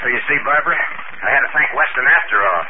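A man's voice: mid-range voice, lively intonation, fast, natural voice. An actor playing an earnest, reflective man who was once a giant, in a 1950s radio drama. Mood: explaining. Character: shrunken former giant, earnest idealistic man. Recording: tinny, hissy 1950 radio broadcast.

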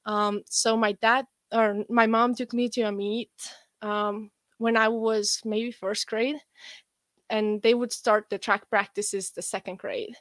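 A young woman with an Estonian accent, a guest athlete chatting in an interview, relaxed and rambling with many fillers. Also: on the high side, slow, no echo. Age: young adult. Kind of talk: casual interview chat.

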